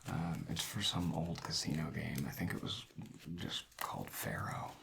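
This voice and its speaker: Male, soft-spoken ASMR dealer role. Deep register, heavy vocal fry, unhurried hushed delivery. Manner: hushed, unhurried rambling, drifting into whisper. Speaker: ASMR creator playing a casino dealer.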